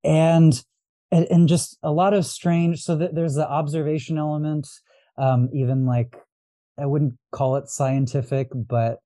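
A man from Los Angeles guests on an astrology podcast, rambling reflectively in a casual conversational interview full of restarts and fillers. His warm voice is a little high with little pitch movement and an unhurried pace, recorded dry at studio quality.

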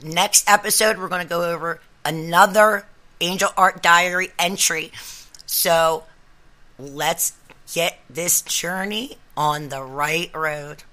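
A woman's voice: fairly low pitch, slow pace, bright, forceful tone. A woman hosting a podcast, talking casually and directly to her listeners in an encouraging, instructive way. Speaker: podcast host.

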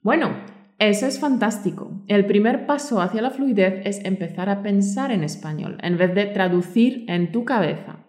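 A woman's voice: medium pitch, animated, normal speed, a little mellow, echoey room. A woman hosting a language-learning podcast, speaking to listeners in an encouraging, motivational way and reading aloud. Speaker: podcast host and Spanish teacher.

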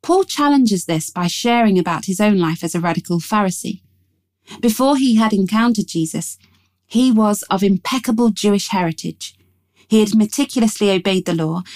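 A woman reading a scripted Christian devotional in a measured, reflective and reverent way. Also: mid-range voice, darkish tone. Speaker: devotional reader. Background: music behind the voice.

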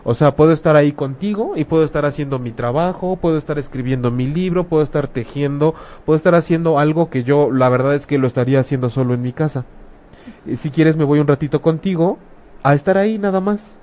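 A man's voice: on the high side, quick pace, mellow. A man with a Mexican accent talking frankly and casually, using slang and rhetorical questions. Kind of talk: casual talk about grief.

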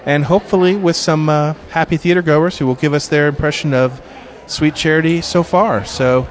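A man's voice: fairly high pitch, fairly even intonation, moderate pace, some chatter behind. A man hosting a podcast, chatting casually with theatergoers in a theater concourse, upbeat with lots of fillers. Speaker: podcast host interviewing theatergoers. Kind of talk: casual on-location interviewing.

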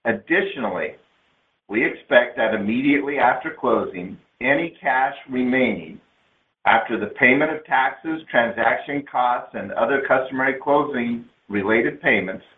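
Male corporate presenter, measured and formal scripted read, phone-band audio with noticeable room echo. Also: medium pitch. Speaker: company executive on an investor earnings call. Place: conference call line. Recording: narrow phone-line sound, roomy echo.

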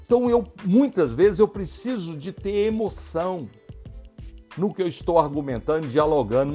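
A man's voice: high-pitched, darkish tone. A man with a Brazilian Portuguese accent giving a motivational sales training talk, emphatic and speaking straight to his listeners. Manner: emphatic, addresses listeners directly.

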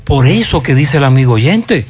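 A man's voice: medium pitch, very animated, normal speed, a little mellow. A Dominican man hosting talk radio, giving emphatic, opinionated commentary and repeating his phrases. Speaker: radio host.

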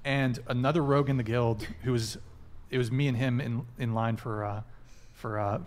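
A man's voice: medium pitch, fairly even intonation. A man hosting a live dating podcast panel, pressing guests and chatting loosely with many restarts. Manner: pushy, talks in quick restarts. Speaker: podcast host. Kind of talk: casual panel chat.

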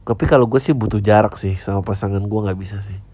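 A man's voice: lowish voice, fast, darkish tone, no room sound. A man, hosting a podcast and answering listener emails in blunt, offhand, slangy replies. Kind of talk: casual podcast chat.

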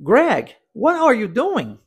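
Man, podcast English teacher from Brazil, high voice, husky tone, encouraging explanations. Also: huge pitch swings, slow. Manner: encouraging, explanatory, frequent tag questions. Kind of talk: podcast lesson addressing listener.

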